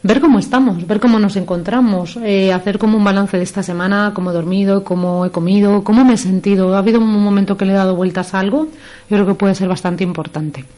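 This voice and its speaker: Woman psychologist, rapid and mellow delivery, explanatory radio guest. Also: medium pitch, fairly even intonation. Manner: explanatory, gives examples with quoted phrases. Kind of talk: radio talk-show discussion. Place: radio studio.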